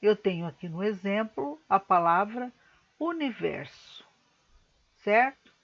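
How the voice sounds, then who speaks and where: A schoolteacher talks her pupils through an exercise, patient and methodical, stretching some words out slowly to show their syllables. Her voice sits at an ordinary middle pitch for a woman. The recording sounds a bit dull and lo-fi. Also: lively intonation, a bit bright. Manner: patient, explains step by step, slows words down to split syllables. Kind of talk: recorded remote lesson.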